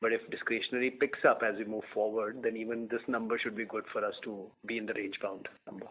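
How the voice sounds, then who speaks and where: A man's voice: on the low side, little pitch movement, fast talker. A man speaking as a finance executive on an earnings call, often checking in with "right?" as he explains. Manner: frequent "right?" tags. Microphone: conference call line. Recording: tinny conference phone line.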